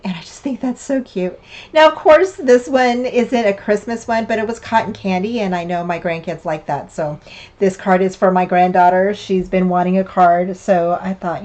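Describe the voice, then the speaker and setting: An older woman, hosting a card-making tutorial in a casual, rambling way with many fillers. Her voice is a little raspy and hoarse from a lingering cough. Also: mid-range voice, darkish tone. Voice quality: slightly raspy. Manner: chatty, meandering, with many fillers and restarts. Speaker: craft channel host. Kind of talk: casual craft tutorial narration.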